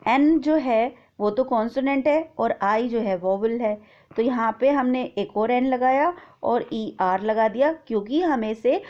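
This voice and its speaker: Woman teacher, spells words letter by letter, mellow higher voice, dull lo-fi sound. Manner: spells words out letter by letter, says "ठीक है" often. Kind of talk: explaining grammar worksheet. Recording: dull lo-fi recording.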